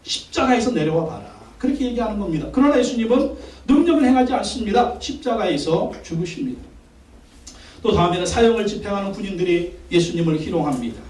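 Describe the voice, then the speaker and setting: A man's voice: high-pitched, animated, fast talker, darkish tone, far from the mic. A male pastor preaching a Sunday sermon with emphasis, repeating his phrases and asking the congregation questions. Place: church sanctuary. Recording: echoey church hall, voice from off-mic.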